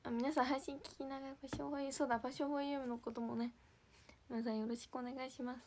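A woman's voice: sits high, fairly even intonation, quick pace, a little mellow, a little hiss or hum. A young woman chatting casually to viewers on a livestream, giggling and sometimes dropping to a whisper. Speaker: idol livestream host.

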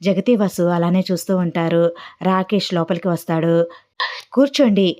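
A woman storyteller narrating a family drama story in steady, plain narration. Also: on the low side, moderate pace.

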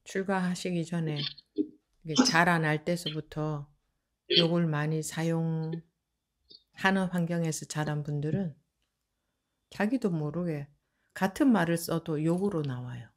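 A woman teaching as a Buddhist meditation teacher, answering a question calmly and explaining at length. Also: sits low, a little slow, pauses often. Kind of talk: dharma Q&A answer.

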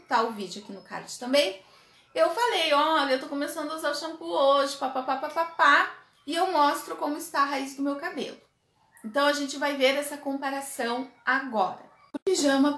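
A chatty woman talks to her camera in a small, echoey room, her voice sitting high and bright. She reviews a beauty product in a casual, animated way and gestures as she speaks. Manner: chatty and animated, gestures a lot while talking. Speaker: beauty vlogger. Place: small indoor room with makeup table. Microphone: camera at desk distance.

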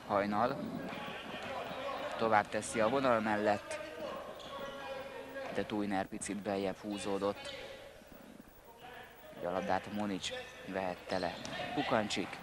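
Man, sports commentator, clipped play-by-play, lowish pitch, noisy indoor hall recording. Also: level tone, pauses often. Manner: terse, clipped calls of players' names. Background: sports hall noise, bouncing ball.

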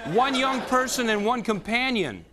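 An American actor playing an earnest, solemn TV news anchor in a parody, with a formal, straight-faced delivery. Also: male voice, very high-pitched, lively intonation, normal speed. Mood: earnest, concerned. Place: TV news studio desk. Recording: faint noise, audience laughter.

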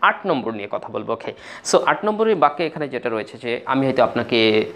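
A man's voice: medium pitch, animated, fast, creaky, a bit bright. A man with a Bangladeshi accent teaching spoken English in a classroom style. He says each phrase again and again and spells words out letter by letter. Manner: acts out little everyday scenes.

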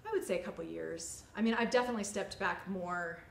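With a lowish, gravelly voice and a fast pace, a forties-aged salon owner talks informally and chattily as she teaches during a demonstration. The echoey white-backdrop studio has faint ambient noise.

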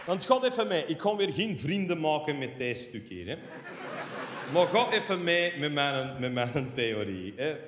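A Flemish man does stand-up comedy in a fairly high, slightly slow voice, ranting animatedly and dropping sarcastic asides that end in a questioning "hè". The live stage gives roomy hall reverb, with crowd noise and a noisy background.

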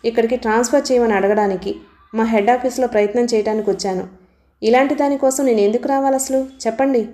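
A woman's voice: a little high, steady tone, fast, dark tone, lightly acted. A woman reading the part of an angry, sarcastic husband who feels wronged, in a roomy-sounding recording. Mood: indignant. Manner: sarcastic and indignant.

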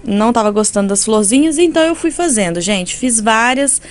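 A woman's voice: fairly high pitch, expressive, fairly quick. A Brazilian woman with a honking, nasal voice stuffed up by a cold, chattily narrating a casual tutorial and often checking in with viewers. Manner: chatty, addresses viewers with frequent tag questions. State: congested from a cold. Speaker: cake decorating channel host. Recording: clearly noisy home recording.

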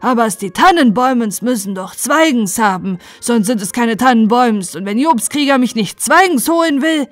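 A woman's voice: fairly high pitch, lively intonation, fairly quick, hardly any pauses, dry recording, faint music behind, lightly acted. A woman voicing a grumpy, greedy old male carpenter who talks in broken dialect grammar. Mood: grumbling.

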